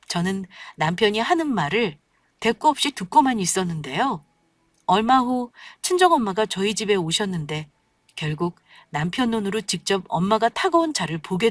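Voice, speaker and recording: A woman's voice: medium pitch, no room sound. Woman storyteller, scripted narration, wry and pointed, dry close mic.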